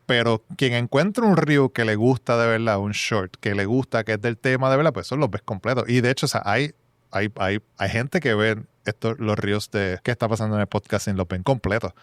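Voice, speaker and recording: A man co-hosting a podcast in a relaxed, conversational way. His comes through, and his voice is smooth and clear at a medium pitch. He often restarts his sentences while thinking aloud, recorded close and dry. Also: brisk, no room sound. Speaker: podcast co-host. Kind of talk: casual conversational podcast chat.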